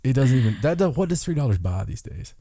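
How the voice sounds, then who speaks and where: A man's voice: medium pitch, very animated, quick pace, warm tone, no echo, studio quality. A man hosting a podcast in casual, rambling, jokey chat, full of enthusiasm. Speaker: podcast host.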